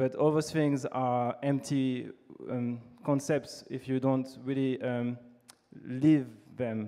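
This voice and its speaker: Against a quiet background, a man with a French accent speaks at a very slow pace in a dark, mellow tone with monotone, flat intonation and long, frequent pauses. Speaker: jazz violinist and professor. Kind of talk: panel discussion. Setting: stage with audience. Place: stage. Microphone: handheld.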